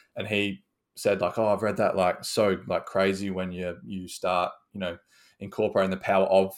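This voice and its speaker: On a very clean recording with a silent background, a man with an Australian accent talks at a fairly quick pace and a fairly low pitch. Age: 20s. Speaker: coach. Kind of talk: casual chat.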